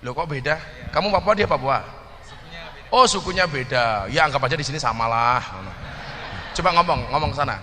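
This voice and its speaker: A man's voice: a little high, lively intonation, a little fast, pauses often, sharp tone, long reverb tail. A man giving a humorous religious talk, teasing audience members and slipping into Javanese. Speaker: preacher.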